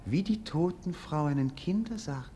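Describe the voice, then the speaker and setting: An actor playing a melancholic, bored young prince in a German radio play, speaking in a declamatory, world-weary, poetic way. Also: male voice, fairly high pitch, expressive, moderate pace, mellow, slight background noise, natural voice.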